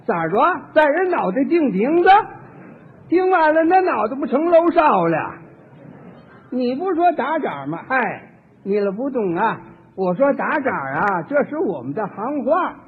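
A man's voice: very high-pitched, big pitch swings, measured pace, husky. A man performing a solo comic story, acting out both sides of each exchange. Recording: tinny archival radio recording with long hall reverb.

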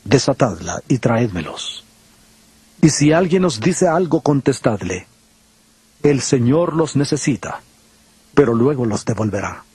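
An actor playing Jesus as a solemn, authoritative teacher in a dramatized scripture recording, speaking in a declamatory way. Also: male voice, mid-range voice, big pitch swings, unhurried, pauses often, a little mellow, husky, full character voice. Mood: solemn, assured.

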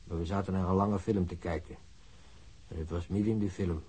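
An elderly working man in a radio play. His voice sits low and husky. He talks plainly, loyal to his son, defensive and worn down by disillusion. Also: fairly even intonation, fairly quick, dark tone. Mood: guarded. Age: older. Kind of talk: naturalistic radio drama acting.

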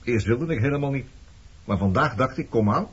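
A man acting in a radio play as an evasive, detached former lover, talking in a dry, offhand, probing and faintly mocking way with a husky, rough-edged voice. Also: medium pitch, lively intonation, brisk. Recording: dull lo-fi old radio recording.

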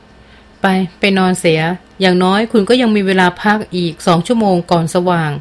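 A woman voicing a calm, kindly but firm veteran male hunter. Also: fairly low pitch, normal speed, natural voice. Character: seasoned male big-game hunter, calm, protective.

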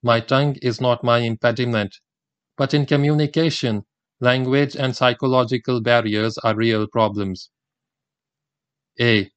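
An older man whose mother tongue is Gujarati delivers a formal religious talk in English. He speaks in a measured, deliberate cadence at a middling pitch. The recording is close and dry, with little room sound. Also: fairly even intonation, clear, resonant tone, dry recording. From India.

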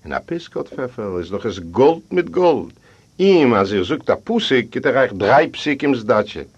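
A native Yiddish speaker reading a first-person story aloud, acting out each character in the dialogue. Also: male voice, mid-range voice, very animated, measured pace, slightly rough. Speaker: audiobook reader. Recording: dull lo-fi recording.

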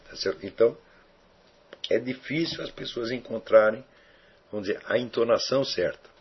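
Male lecturer, low raspy voice, reflective and digressive, muffled recording. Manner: rambling, reflective, with frequent tag questions. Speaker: philosophy teacher. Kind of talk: lecture answering student questions. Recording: dull lo-fi recording.

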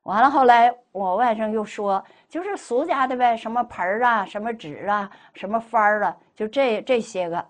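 A woman's voice: on the high side, normal speed, hardly any pauses. A middle-aged woman tells a personal testimony as a Buddhist lay speaker, acting out the dialogue she quotes. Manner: animated, acts out quoted dialogue.

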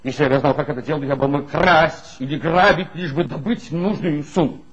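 Wry, bitter ex-writer. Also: male voice, fairly high pitch, fairly quick, husky. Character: bitter, ironic former magazine writer, middle-aged man. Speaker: former writer of a secret magazine department. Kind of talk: 1960s radio play acting. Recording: dull old 1960s radio recording with faint hiss.

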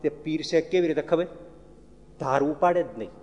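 Man, preacher, devotional storytelling, animated, high voice, long hall reverb. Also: moderate pace, dull audio, very noisy. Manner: animated, acts out characters, addresses audience directly.

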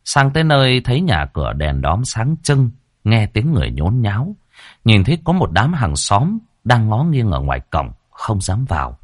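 Deep, husky male horror storyteller. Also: very animated, normal speed, no echo, clean studio sound. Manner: dramatic, vivid storytelling.

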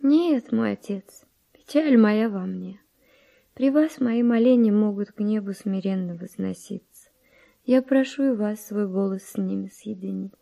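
An actress playing a devout, grieving young Spanish noble widow, soft, solemn and reserved, in a verse radio drama. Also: female voice, medium pitch, measured pace, creaky. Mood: sorrowful, devout.

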